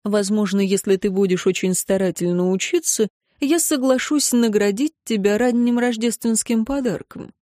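A woman's voice: medium pitch, normal speed, mellow, no echo, studio quality, natural voice. A woman voicing a wealthy, patronizing middle-aged male guardian in a storybook. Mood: condescending. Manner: patronizing, dismissive.

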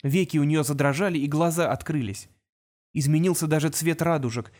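A woman narrating an audiobook with an even, storytelling delivery. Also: low voice, brisk. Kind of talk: scripted narration.

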